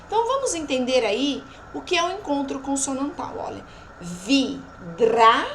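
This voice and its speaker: A Brazilian Portuguese woman teaches at an unhurried pace, stretching out each example word. Her voice sits high and moves a lot, and a faint hiss of noise sits under it. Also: very animated, poor audio. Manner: slow, drawn-out pronunciation of example words; frequent checking tags after each point. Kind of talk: recorded remote lesson.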